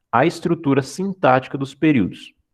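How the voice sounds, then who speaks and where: Pitch variation stays ordinary as a man goes along at a moderate pace. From Goiás, Brazil. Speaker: teacher. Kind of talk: lecture. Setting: online class with screen share.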